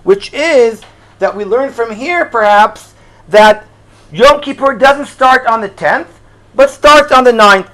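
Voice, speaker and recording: High-pitched man teaching Torah. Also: lively intonation, takes it slowly, a bit bright, rough recording. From Israel. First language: Hebrew. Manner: conversational, questioning, sprinkles Hebrew and Yiddish terms. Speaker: rabbi giving a Torah class. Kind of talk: informal religious lecture to a live group.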